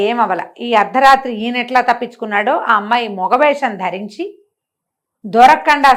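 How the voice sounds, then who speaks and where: Older female storyteller, lively and conversational, voice on the high side. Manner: chatty, animated, laughs and comments on the story. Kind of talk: oral storytelling with asides.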